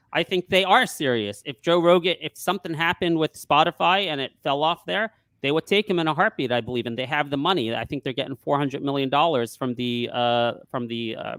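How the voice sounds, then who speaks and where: A man who works as a stock trader, talking casually in a live market discussion and pitching his view with confident emphasis. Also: a bit bright, no room sound.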